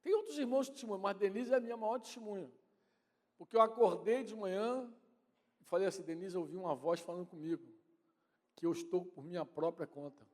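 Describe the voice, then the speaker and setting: Man, Brazilian pastor, conversational sermon, talks straight to the congregation, high voice, long church reverb. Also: fast. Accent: Brazilian Portuguese. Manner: conversational, addresses congregation and wife directly. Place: church hall.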